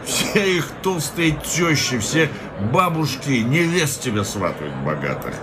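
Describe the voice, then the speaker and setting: A man's voice: on the high side, very animated, unhurried. An actor playing a cynical, hard-drinking male petition-writer in a radio play, boisterous and mocking, always pressing drinks on his companion. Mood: boozy. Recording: music playing behind the voice.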